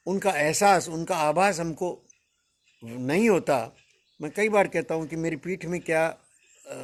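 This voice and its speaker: An older man in his seventies speaks as a spiritual teacher, his voice sitting somewhat high for a man. He muses slowly through a reflective discourse, calls his listeners friends and lets a soft chuckle slip in now and then. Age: 70s.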